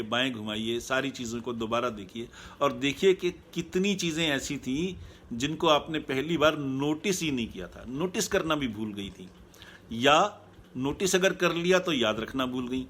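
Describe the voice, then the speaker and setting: A man speaking as a happiness coach in a live online talk, calm and measured, repeating his key points. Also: medium pitch.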